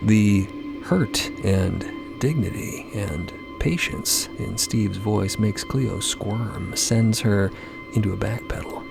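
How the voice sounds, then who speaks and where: A male narrator tells a scripted drama with deliberate suspense. His voice is gravelly and lively in pitch, and music runs clearly beneath it.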